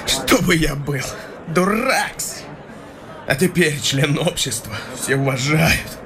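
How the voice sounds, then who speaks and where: A man's voice: a little high, animated, takes it slowly, crowd noise. An actor playing a young male clerk in a radio play, fawning and tipsy, boasting expansively with laughs in his voice. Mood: boastful.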